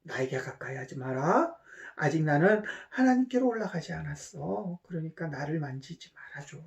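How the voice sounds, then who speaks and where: A woman voicing a calm, gentle Jesus in a children's Bible story, speaking softly and low. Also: normal speed, vocal fry. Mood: calm, tender. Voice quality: soft, hushed and low. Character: gentle risen Jesus, grown man, calm.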